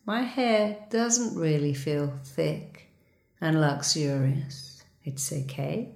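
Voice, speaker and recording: A woman guides a relaxing meditation in a deep, low voice. She speaks slowly and gently, repeating her instructions. The recording has a noticeable roomy echo. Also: creaky. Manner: slow, soothing, repetitive instructions.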